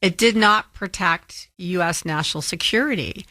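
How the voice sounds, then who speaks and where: A woman's voice: on the low side, moderate pace, pushed and bright, no echo. A woman filling in as a talk radio host, firmly rebutting a caller with frequent ums. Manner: firm and argumentative, with frequent ums.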